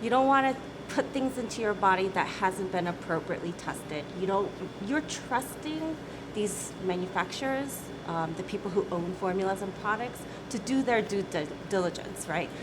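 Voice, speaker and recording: A woman's voice: medium pitch, expressive, moderate pace. Female CEO guest, late 30s, chatty and upbeat, noisy recording. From South Korea. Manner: chatty, laughs easily, says "right?" often. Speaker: company CEO, interview guest. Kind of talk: casual interview talk.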